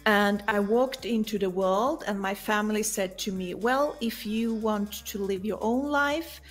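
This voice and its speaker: A woman's voice: medium pitch, a little slow, soft background music. A middle-aged woman from Sweden with a Swedish accent, telling her story conversationally as an interview guest on a video call. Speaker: guest, coach. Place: home room indoors.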